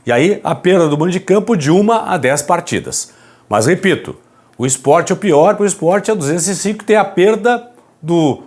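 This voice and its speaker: A man presenting football news commentary to viewers, speaking softly with a hoarse, raspy voice as he recovers from a throat problem. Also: a little high. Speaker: sports commentary host.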